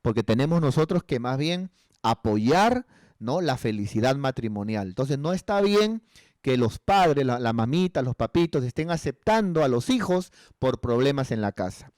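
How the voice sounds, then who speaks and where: A man's voice: mid-range voice, sing-song, moderate pace, a little mellow, no room sound, clean studio sound. A male pastor giving pastoral counsel in a conversational sermon, earnestly asking rhetorical tag questions.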